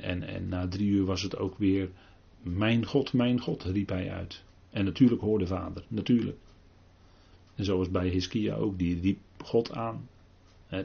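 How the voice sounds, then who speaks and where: An older man giving a halting Bible talk, full of pauses and restarts. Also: low-pitched, vocal fry, a little mellow, husky, lo-fi sound. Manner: halting, many fillers and restarts. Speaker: preacher.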